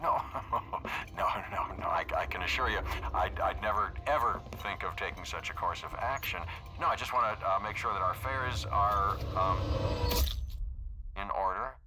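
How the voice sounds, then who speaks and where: Man doing a nervous husband, stammering, polite, lowish voice. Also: normal speed, natural voice, poor audio. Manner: hesitant, stammering, overly polite. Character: nervous evasive middle-aged husband. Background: music.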